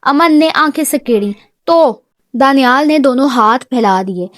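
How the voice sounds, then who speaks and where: A woman narrates a novel with a high, light voice. Her reading is steady and measured, and the sound is dry and close with no room around it. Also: no room sound. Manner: steady storytelling read, voicing every character herself. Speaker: audiobook narrator.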